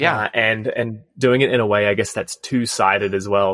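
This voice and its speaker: A man with a New Zealand accent speaks at a moderate pace in a medium pitch with ordinary pitch variation and a bright, sharp tone. The recording is very clean with a silent background and a dry, close sound with no echo. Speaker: startup founder. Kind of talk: interview. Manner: casual, filler-heavy.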